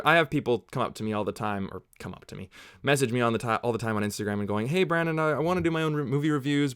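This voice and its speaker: A man's voice: mid-range voice, clean tone, no room sound, clean studio sound. A man from Canada hosting a casual movie watch-along livestream, chatting and rambling off on tangents while answering viewers.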